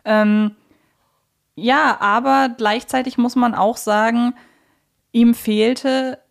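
A woman's voice: fairly high pitch, fairly even intonation, takes it slowly, vocal fry. A woman co-hosting a talk podcast, reflecting aloud in a conversational, analytical way and explaining her view point by point. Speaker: podcast co-host.

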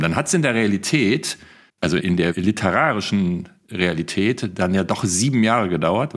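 A man with a German accent, co-hosting a podcast in casual chat, rambling a little with restarts. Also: lowish voice. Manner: chatty, rambling with restarts, laughs often. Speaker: podcast co-host.

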